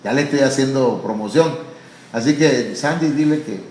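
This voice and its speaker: A man preaching a sermon as pastor, fervent and often addressing listeners as brother, sometimes rising to loud drawn-out cries. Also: mid-range voice, roomy sound, slight background noise, low-quality recording. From Mexico. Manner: fervent, repeatedly calling listeners "hermano"; rises to loud, drawn-out cries when acting out pleas. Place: church.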